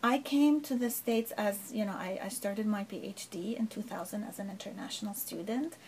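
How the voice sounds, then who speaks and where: A woman's voice: medium pitch, moderate pace, a little mellow, a little hiss or hum, rough recording. Thoughtful middle-aged woman professor. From Lebanon. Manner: thoughtful, many fillers and rhetorical 'right?'. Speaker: professor, guest. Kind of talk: conversational interview answer.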